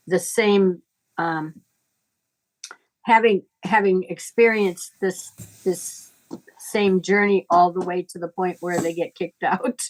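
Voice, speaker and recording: A middle-aged woman teaching informally in conversation, explaining things in a halting, deliberate, reflective way. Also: lowish voice, low-quality recording. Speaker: astrology teacher.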